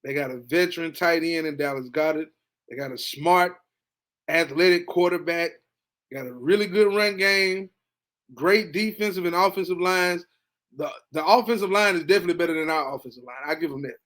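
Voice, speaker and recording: A man hosting a podcast, reacting casually to a football game, animated and talkative, dropping to low mutters and jumping to excited high bursts. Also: fairly quick. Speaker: podcast host. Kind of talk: casual sports reaction monologue.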